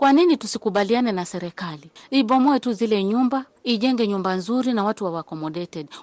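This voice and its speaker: A woman uses a normal speaking voice, fairly high in pitch with lively intonation. She talks at a fairly quick pace with hardly any pauses, in a dry, close sound with no echo. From Kenya, Mombasa coast. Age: 50s. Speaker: resident interviewed on the street. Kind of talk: vox pop interview.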